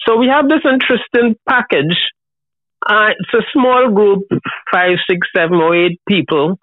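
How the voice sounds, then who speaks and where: A seventy-year-old man from Trinidad and Tobago, with a Trinidadian accent and a noticeably high voice, chats reflectively and colloquially as the guest in a casual interview at normal speed. The audio is thin and phone-like, dry and close, with no room sound or echo.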